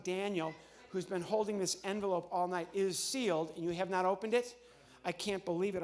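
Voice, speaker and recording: A middle-aged American man from the Midwest doing live comedy patter on stage, chatty and halting, often interrupting himself. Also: sits high. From Midwestern United States. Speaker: comedian and entertainer. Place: on stage in a large church hall.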